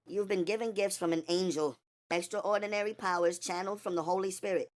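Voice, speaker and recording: A man voicing a weary, knowing superhuman woman who speaks in measured, terse lines. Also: high voice, fairly even intonation, pitched above the performer's own voice, lightly acted. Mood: cryptic. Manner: measured, terse and matter-of-fact. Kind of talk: audiobook character voice.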